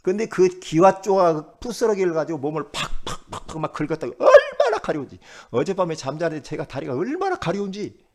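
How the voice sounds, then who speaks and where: Animated high-pitched male pastor preaching. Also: a little fast. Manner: animated preaching, swinging from loud exclamations to low asides. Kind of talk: sermon.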